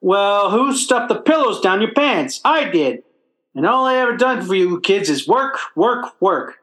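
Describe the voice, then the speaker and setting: A hapless working-class family man played by a male actor in an old-time radio sitcom. He blusters and stammers in folksy, ungrammatical speech, his pitch lurching up and down. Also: big pitch swings, unhurried, fairly bright tone, heavily acted. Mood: indignant.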